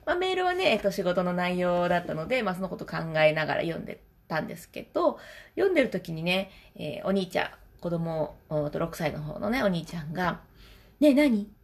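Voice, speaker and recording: A woman's voice: fairly low pitch, animated, fast talker, vocal fry. A woman, a mother of two telling a casual spoken diary, chatty and laughing often.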